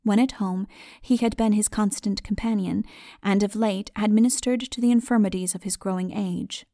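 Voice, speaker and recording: A woman reading a literary fantasy audiobook as narrator, in measured, formal storytelling. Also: mid-range voice, fairly even intonation, dark tone, dry recording, studio quality. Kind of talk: scripted dramatic narration of a literary fantasy tale.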